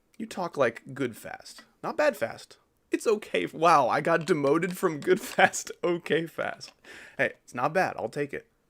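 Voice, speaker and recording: At a moderate pace, the voice comes through in a very clean recording with a silent background. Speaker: gaming streamer. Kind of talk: live gameplay stream chat. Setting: livestream. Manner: short bursts while concentrating.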